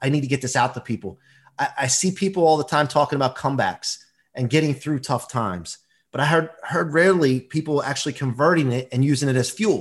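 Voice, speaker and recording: On a very clean recording with a silent background, a man with a fairly high pitch and a somewhat breathy voice talks at a very fast pace. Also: ordinary pitch variation. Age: 40s. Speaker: performance coach and motivational speaker. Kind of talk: interview. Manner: animated.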